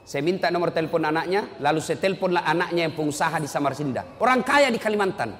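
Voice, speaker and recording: Male preacher, high voice, animated sermon delivery, long hall echo. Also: fast talker. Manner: animated, swings between loud emphatic rises and low quiet drops. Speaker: Islamic preacher. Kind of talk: lively sermon with anecdotes.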